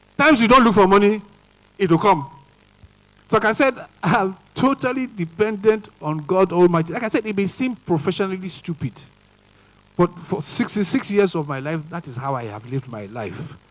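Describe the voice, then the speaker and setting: Against noticeable background noise, a man with a high pitch speaks in very wide pitch swings and big swings in loudness, leaving long, frequent pauses. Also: fairly quick pace. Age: 60s. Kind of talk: panel discussion.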